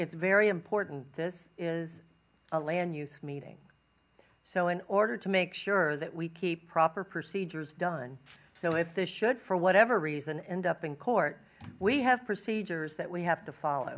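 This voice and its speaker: Speaking at a moderate pace, a woman with an ordinary speaking voice uses a fairly low pitch and ordinary pitch variation. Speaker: meeting chair, county commissioner. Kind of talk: chairing a public meeting. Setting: council chamber. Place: hall. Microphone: podium.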